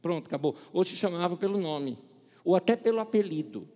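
Animated Brazilian pastor in reverberant hall. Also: male voice, high voice, fairly quick. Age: middle-aged. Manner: animated storyteller, acts out dialogue, laughs at own jokes. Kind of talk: sermon with humorous anecdotes.

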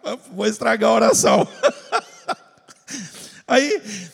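A man's voice: high voice, fairly quick, gravelly, long reverb tail. A man preaching a testimony to a congregation, telling a story and acting out his own prayers and conversations.

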